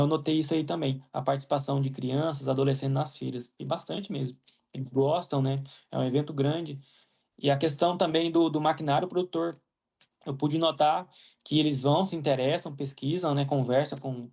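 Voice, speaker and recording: Gravelly Brazilian man, talking casually. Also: on the high side, darkish tone. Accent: Brazilian Portuguese. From Mato Grosso, Brazil. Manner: many fillers and "né?" tags, restarts. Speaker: guest, agronomist living in Ireland. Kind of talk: casual interview answers.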